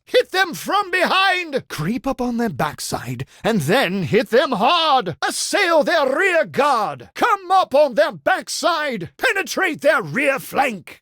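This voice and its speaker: An actor playing a theatrical, fawning and easily offended medieval knight for a video game, speaking mock-archaic English. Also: male voice, very high voice, bright, forceful tone, no room sound, studio quality, exaggerated voice. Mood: urgent, rallying. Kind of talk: video game character voice lines.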